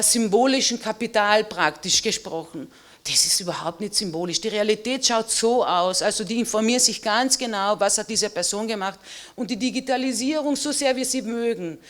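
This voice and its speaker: Emphatic woman historian on a panel. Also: a little high. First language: Slovene. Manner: emphatic, personal, lively. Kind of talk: panel discussion statement.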